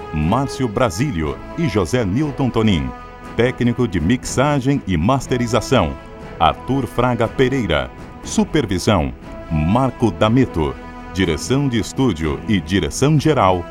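A lower-voiced male announcer reads the closing credits with a lively, sweeping pitch. He keeps a formal, measured broadcast delivery while music plays clearly underneath. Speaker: radio announcer.

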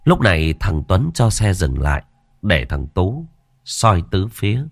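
A man's voice: low-pitched, very animated, a little slow, gravelly, dry recording. A man narrating a ghost story in a vivid, colloquial way.

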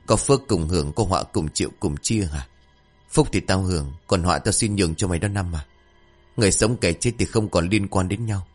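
A man voicing a cold, selfish young man privately turning on his dead friend, in a low voice.

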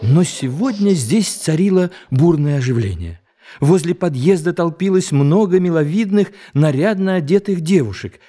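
A man's voice: on the high side, lively intonation, moderate pace, dark tone. A man narrating a scripted story in an audio drama.

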